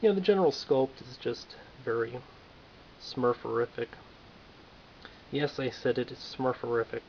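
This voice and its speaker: A man reviews a toy figure in a casual, offhand monologue with dry, self-mocking jokes. His voice is gravelly and sits in a middle pitch. The recording is dull and lo-fi, with a faint hiss underneath. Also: animated, normal speed, a little mellow.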